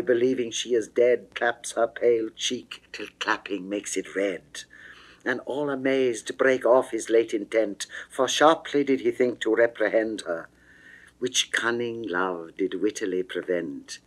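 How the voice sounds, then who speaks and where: A man's voice: lowish voice, rough recording. A man giving a dramatic, declamatory reading of classical narrative poetry. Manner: theatrical, measured, declamatory. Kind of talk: dramatic reading of Elizabethan verse.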